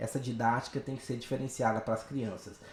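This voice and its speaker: Talking very fast, a man keeps his pitch variation ordinary. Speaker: sign language teacher. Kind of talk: online lecture. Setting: home recording. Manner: hesitant fillers.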